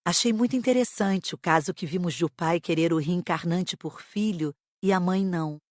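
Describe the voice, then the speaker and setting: Woman acting earnest curious student, slightly low voice, dry audiobook sound. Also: moderate pace, darkish tone, no echo, close to an everyday voice. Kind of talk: scripted audiobook dialogue.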